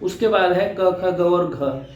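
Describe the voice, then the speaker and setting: Man, high voice, calm speech coach demonstrating sounds, echoey room. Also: muffled recording. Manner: slow, demonstrative, repeats sounds for practice. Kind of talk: pronunciation lesson.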